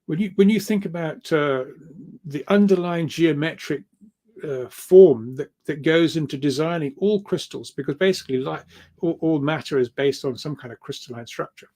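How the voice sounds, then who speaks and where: Man explaining earnestly with halting repetitions. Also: on the high side, mellow. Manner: halting, repeats words and restarts often. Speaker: guest speaker and researcher. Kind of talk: interview answer, explaining at length.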